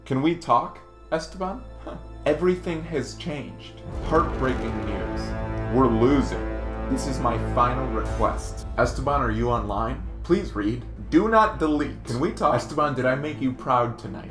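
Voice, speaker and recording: A man's voice: mid-range voice, animated, normal speed. A man working as a comic correspondent, reading dramatically in a mock-serious, theatrical manner. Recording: roomy echo with music underneath. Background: music.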